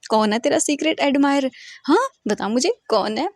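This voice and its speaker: A caring young woman who bosses her friend around and stammers when she is hiding something, voiced by a woman narrator. Her voice sits fairly high. It sounds dry and close, in a told story. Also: expressive, normal speed, dry recording. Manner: scolding, stammering when caught out.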